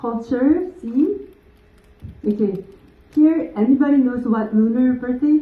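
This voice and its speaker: A woman with a Korean accent, very slow pace and lively intonation, in audible room echo. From South Korea. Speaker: lecturer. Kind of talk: lecture. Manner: halting, many fillers.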